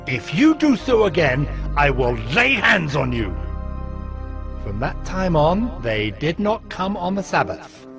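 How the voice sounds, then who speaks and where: An actor playing a stern, devout governor of ancient Judah, recounting his deeds solemnly and emphatically in a dramatized scripture reading. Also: a little high. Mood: indignant.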